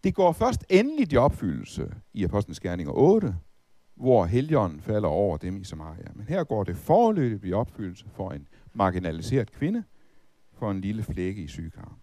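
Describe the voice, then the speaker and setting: A middle-aged man preaching with a mellow, warm tone and a lively, swinging pitch. He asks the listeners one rhetorical question after another. The recording is dry and close, with no room sound. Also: dry recording. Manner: lively, rhetorical questions, recites hymn verses. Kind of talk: Bible teaching talk.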